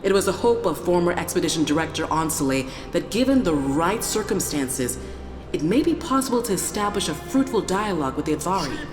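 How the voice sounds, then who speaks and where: Firm Prime Minister, deep register, composed, formal, reverberant chamber, audio drama. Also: female voice, sing-song. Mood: diplomatic. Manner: measured, formal, resolute. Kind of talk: sci-fi audio drama parliamentary speech. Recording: echoey hall, music behind.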